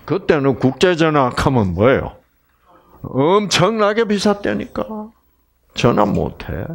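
An older man from Korea lecturing on health in a lively, rambling way. His gravelly, husky voice swings widely in pitch. He talks slowly and keeps checking in with his listeners. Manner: chatty, animated, frequent fillers and asides to audience. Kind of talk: health lecture with personal stories.

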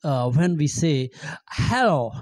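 A middle-aged man giving an amateur language lesson, halting and repeating phrases with many fillers, speaking into a handheld microphone in a small room. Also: on the high side, sing-song, darkish tone, dry recording, clean studio sound. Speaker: language teacher. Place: small indoor room with green backdrop.

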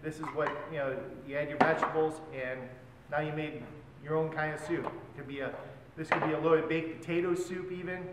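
Chef teaching from across an echoey hall. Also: male voice, fairly high pitch, fairly quick. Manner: relaxed, explains while working with his hands. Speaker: chef instructor. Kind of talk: cooking class demonstration. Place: large hotel function room, indoors. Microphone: far camera. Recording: echoey hall, voice from far off, loud background noise.

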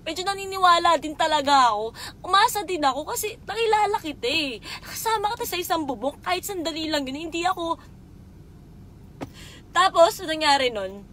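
A woman's voice: very high voice, lively intonation, fairly quick, fairly bright tone, slight background noise. A woman giving a raw, tearful personal confession, swearing often and speaking straight to the person she accuses.

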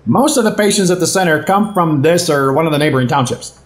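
An actor playing an imperious corporate boss in an audio drama, formal, dry and condescending. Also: male voice, on the high side, expressive, fast talker, over loud music, natural voice. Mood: curt, displeased. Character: curt, imperious corporate boss running a behavioral center. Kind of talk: scripted audio drama acting.

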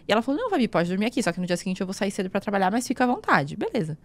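Brazilian woman, 30s, podcast host. Rapid, animated storyteller, close dry mic. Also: medium pitch, no room sound. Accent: Brazilian Portuguese. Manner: animated storyteller who acts out quoted lines. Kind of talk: casual chat.

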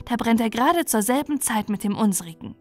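A woman voicing a kind, affectionate aunt in a storybook, speaking to children in a gentle, earnest way. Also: on the high side, expressive, brisk, soft background music, close to an everyday voice. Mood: kindly. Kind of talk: storybook character voice.

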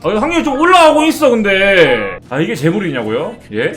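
A young man streaming a mobile baseball game, who swears a lot and shouts at his card upgrades. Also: high voice, sing-song, fairly quick, faint music behind. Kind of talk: live game streaming chat.

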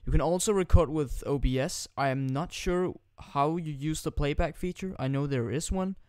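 A Danish teenage boy talks in a forced British accent, loose and joking with plenty of restarts. His voice sits a bit high and comes through smooth and clean. The sound is dry and close to the mic. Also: moderate pace, darkish tone, no room sound. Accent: put-on British accent. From Denmark. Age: teens. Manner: rambling, joking and crude, with frequent restarts. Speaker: gaming YouTuber. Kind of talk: casual screen-recording tutorial commentary. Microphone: new desktop microphone.

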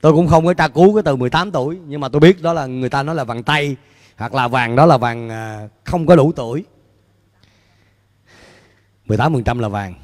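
A middle-aged man preaching a sermon as pastor on a church stage with a handheld mic, animated and putting questions to the congregation. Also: medium pitch, brisk, long pauses. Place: church stage before a large screen, indoors. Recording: long hall reverb in a large church.

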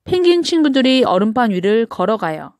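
A woman reading a children's picture book aloud in a gentle, clear manner. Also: on the high side, big pitch swings, brisk, no echo, clean studio sound. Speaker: storybook reader.

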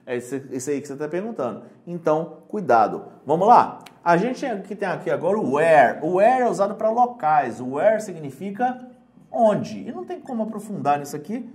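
A man with a Brazilian Portuguese accent teaching English for an exam in a casual, joking way. He reads English examples slowly and translates them. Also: fairly high pitch, sing-song, darkish tone. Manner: casual, joking, keeps checking "entendeu?". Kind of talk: online lesson.

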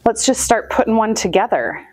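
A woman's voice: on the high side, very animated, moderate pace, dry recording. A woman in her thirties from the US Midwest, talking casually to the camera while she builds bouquets, upbeat and chatty. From Northwest Iowa, US. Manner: chatty, upbeat, talks while handling flowers. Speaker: flower farmer and channel host. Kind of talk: casual how-to narration while working. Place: indoor room with flower buckets. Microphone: far camera, hands-free.

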